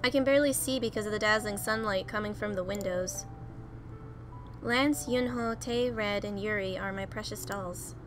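A woman's voice: medium pitch, normal speed. A young woman hosting a let's play, rambling casually and laughing at herself as she clicks through game menus. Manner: chatty, giggly, self-deprecating. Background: soft background music.

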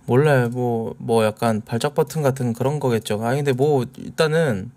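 A man's voice: mid-range voice, moderate pace, a little mellow. A man casually commenting on clips as a streamer, relaying what he has heard with many hesitant fillers.

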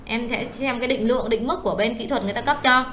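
Speaking fast in a slightly high voice, a woman walks a single student through accounting software step by step, checking often that she's being followed. A little background noise can be heard.

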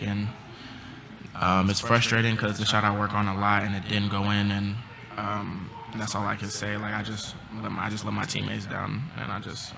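A young man and college basketball player answering postgame press questions in a subdued, halting way, with many pauses and ums, into a table mic. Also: lowish voice, vocal fry, background noise. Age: young adult. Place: press conference room.

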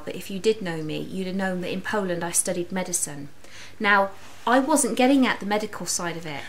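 A woman's voice: medium pitch, fairly bright tone. Woman chatting to her cam at home, rambling, um and uh a lot. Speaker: vlogger. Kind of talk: casual chat to camera. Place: living room indoors.

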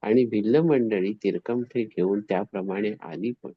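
A man telling a devotional story in an animated way, acting out the quoted voices. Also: fairly low pitch, moderate pace, slightly rough, no echo. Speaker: spiritual storyteller. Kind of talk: devotional discourse. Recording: dull, dry, slightly lo-fi recording.

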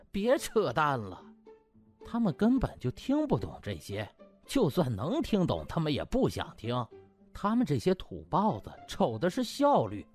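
Guy reading a funny audiobook, super animated and theatrical, bit of music behind. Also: a little high. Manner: theatrical, colloquial. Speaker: audiobook narrator. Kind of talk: comic scripted storytelling.

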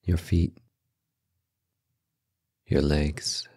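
A man with an extremely low, dark voice guides a meditation. He speaks calmly in short instructional phrases, leaving slow, unhurried space between them. The sound is close and dry. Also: slightly rough, dry recording.

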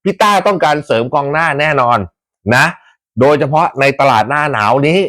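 A man with a slightly high voice and a somewhat fast pace runs a fan channel, chatting with viewers about his football club's transfers. He's animated and casual, using rough slang and laughing a lot.

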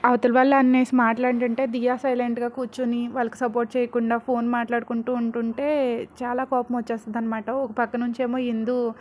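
A woman's voice: on the high side, level tone, a little fast, darkish tone. A woman narrating a serial story in a casual, chatty way with conversational asides.

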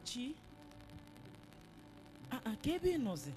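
A woman's voice: a little high, huge pitch swings, takes it slowly, over music, heavily acted. A young woman playing a confident Christian student who scolds and preaches.

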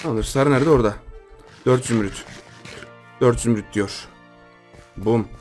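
A man's voice: medium pitch, measured pace, a little mellow, soft background music. A young man with a Turkish accent giving playful, teasing live commentary over his own gameplay, often repeating his phrases. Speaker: gaming YouTuber.

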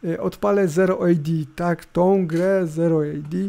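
A middle-aged man with a fairly high, soft-edged voice narrates a screencast casually. He rambles informally and hesitates, tossing in little tag questions. His voice has a gravelly creak, and a laptop fan hisses behind him. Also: steady tone, a little slow. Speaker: host of a tech review video. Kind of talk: casual, unscripted screencast commentary. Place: indoors at a computer. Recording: hissing laptop fan noise. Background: laptop fan hum.

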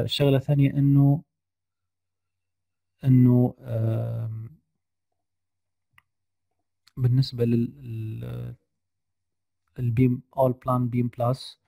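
A tired man giving a screen-share software lesson on a video call, hesitant with many fillers and English technical terms mixed in. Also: medium pitch, level tone, normal speed, vocal fry, long pauses, no echo. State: tired, slightly unwell voice. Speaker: guest lecturer.

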